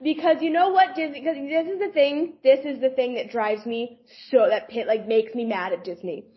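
A woman co-hosting a podcast in casual chat, animated, laughing often and swearing freely. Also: sits high, normal speed. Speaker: podcast co-host. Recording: dull lo-fi podcast audio.

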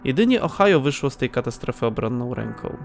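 A man's voice: mid-range voice, very animated, fairly quick, creaky. A man narrating a scripted audio drama as its storyteller. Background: faint music.

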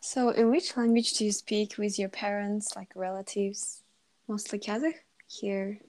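Mellow-voiced woman interviewer, relaxed prompts. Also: medium pitch, a little slow. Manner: relaxed, prompting with guesses and soft fillers. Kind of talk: casual conversational interview.

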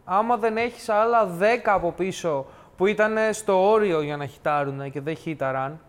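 Young man, high and smooth, casual slangy podcast talk, interrupts freely. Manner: slangy, interrupts, mixes English words.

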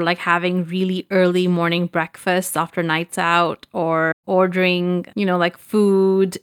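A young woman from Pakistan talks through her answers in a relaxed interview, pausing on fillers and restarting her sentences. Her voice is smooth and resonant and sits on the low side. The sound is dry and close. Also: no echo. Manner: thoughtful, many fillers and restarts. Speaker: guest.

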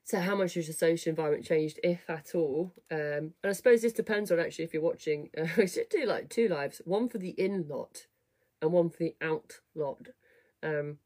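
A woman hosting a fitness studio livestream, chatting casually to viewers in a slightly croaky, rough voice, rambling with lots of fillers. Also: low-pitched, normal speed, a little mellow. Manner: chatty, rambling, self-deprecating, many fillers. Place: home, at a desk. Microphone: webcam or computer mic at a desk.

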